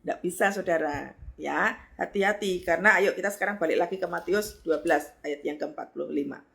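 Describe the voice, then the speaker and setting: A middle-aged woman pastor, preaching a lively sermon and acting out voices with sudden high exclamations. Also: brisk, gravelly.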